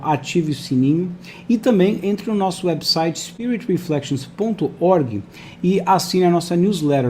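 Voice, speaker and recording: A man's voice: fairly high pitch, a little mellow, a little hiss or hum. A man hosting a live online interview over a video call, chatty and friendly, talking to viewers and his guest. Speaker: host.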